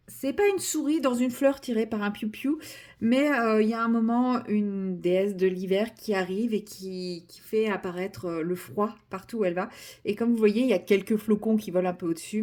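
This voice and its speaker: A woman's voice: mid-range voice, warm tone. A young woman chatting casually about her coloring project, rambling with many fillers and restarts and poking fun at herself. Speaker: coloring vlogger. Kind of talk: casual chat while coloring.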